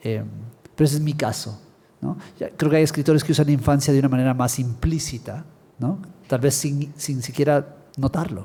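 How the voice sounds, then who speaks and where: A man with a fairly high pitch and a dark, mellow tone speaks at a fairly quick pace, with ordinary pitch variation, a somewhat breathy quality and long, frequent pauses. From Guatemala. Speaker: writer. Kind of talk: panel talk.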